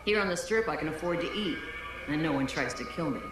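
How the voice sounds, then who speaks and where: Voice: mid-range voice, expressive, fast, background noise, natural voice. A voice actor playing a friendly independent street vendor in a video game. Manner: friendly sales patter. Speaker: game character. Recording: game audio in a roomy space with music.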